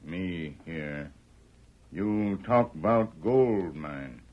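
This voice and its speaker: An actor playing a stoic, terse Native American man in halting broken English in an old radio western. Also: low-pitched, expressive, full character voice. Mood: guarded, stoic. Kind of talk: 1940s radio western acting. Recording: dull, muffled old radio recording.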